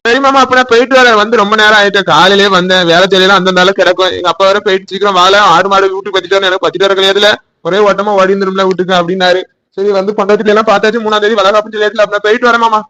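A man's voice: high-pitched, level tone, very fast, bright, forceful tone, no echo, lo-fi sound. A man voicing a hurt, complaining young village son-in-law in a cartoon, with a Tirunelveli Tamil accent. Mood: polite. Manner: aggrieved, complaining.

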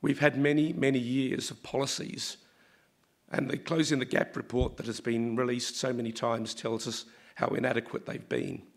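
A middle-aged man, a university leader, gives a formal welcome speech at a lectern in a large auditorium, his voice slightly croaky and his delivery halting with many ums and uhs. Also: mid-range voice, little pitch movement. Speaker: university vice-chancellor. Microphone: lectern microphone.

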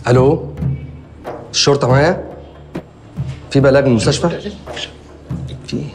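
An actor playing a dutiful hospital doctor who speaks matter-of-factly with an Egyptian accent in a TV drama. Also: male voice, medium pitch, fairly quick, over music, close to an everyday voice.

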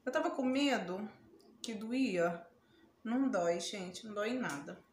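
A woman's voice: mid-range voice, lively intonation, measured pace, echoey room, slight background noise. A Brazilian woman with a Brazilian Portuguese accent, chatting casually to camera in a beauty tutorial at home, exclamatory and prone to laughing yelps. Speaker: beauty vlogger. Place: home room, indoors.

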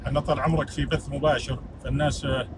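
Fast-talking young man in a car. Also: medium pitch, little pitch movement, distant mic, noisy background. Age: young adult. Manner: very fast, polite and warm. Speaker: livestream host. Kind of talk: casual livestream chat. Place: inside a car at night. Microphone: phone camera at arm's length.

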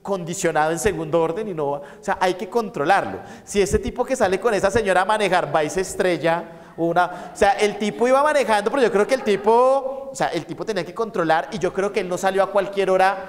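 A man's voice: high voice, quick pace. Man, psychology lecturer, storytelling, dictating, echoey lecture hall. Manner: storytelling, repeats points to dictate. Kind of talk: university lecture.

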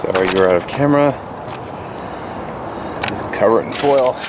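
A middle-aged man talks in a relaxed, chatty way as he cooks outdoors at a forest campsite, thinking aloud about what he is doing. His pitch sits in an ordinary middle range. The camera mic picks up clear outdoor noise around him. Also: moderate pace. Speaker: camping vlogger. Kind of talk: casual outdoor cooking vlog. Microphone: camera-mounted mic, speaker moving near and away.

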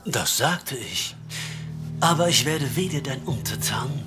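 Guy acting as theatrical gang leader, mocking n threatening, really swoopy pitch, radio play w music. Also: expressive, lightly acted. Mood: scornful. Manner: theatrical, slow, drawn-out taunting with chuckles. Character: menacing, mocking male Brooklyn gang boss.

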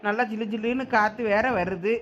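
A woman voicing a drowsy housemate who has overeaten and wants to nap, speaking slowly and sleepily in a village comedy skit. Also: mid-range voice, dull audio, a little hiss or hum, pitched below the performer's own voice, lightly acted. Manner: slow, sleepy and contented.

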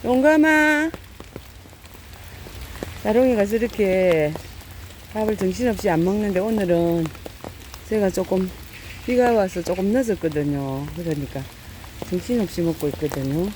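A woman's voice: on the low side, moderate pace, dark tone, low-quality recording. A middle-aged woman narrating casually outdoors as she feeds stray cats, with many fillers and a fond, coaxing voice when she calls to them. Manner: talks fondly to cats in a raised coaxing voice, lots of fillers. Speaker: cat-feeding vlogger. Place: outdoors in heavy rain. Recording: light rain noise outdoors. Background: rain falling.

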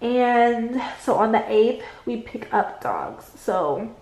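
Slow-talking congested woman vlogger. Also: on the high side, sing-song, a little mellow, reverberant, poor audio. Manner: slow, chatty, addresses viewers as y'all. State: congested, stuffy nose. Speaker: budget planning vlogger. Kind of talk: casual chat while writing in a planner. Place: indoors at a desk at home, late at night.

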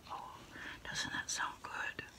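A middle-aged woman doing a soft, unhurried ASMR roleplay as a takeout order taker on the phone, hesitating and trailing off often. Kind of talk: whispered ASMR roleplay, one-sided phone conversation.

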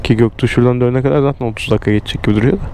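A man's voice: mid-range voice, fairly even intonation, rapid-fire. A man chats casually to viewers in slangy, joking running commentary, speaking into a helmet mic while riding a motorcycle. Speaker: motorcycle vlogger. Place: outdoors on a moving motorcycle in city traffic. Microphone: close helmet microphone. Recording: clear engine, wind and traffic noise. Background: motorbike and city traffic noise.

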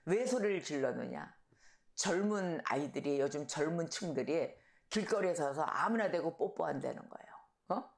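A middle-aged woman pastor preaching a sermon, telling stories and acting out shouted quotes. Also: lowish voice. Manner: storytelling, animated, acts out shouted quotes. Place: church sanctuary. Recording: echoey church hall.

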